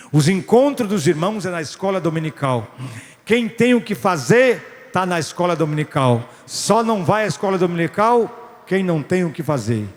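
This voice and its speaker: A male pastor, telling a missionary testimony in a sermon with restarts and rising exclamations. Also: a little high. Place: large church hall. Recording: long church-hall reverb.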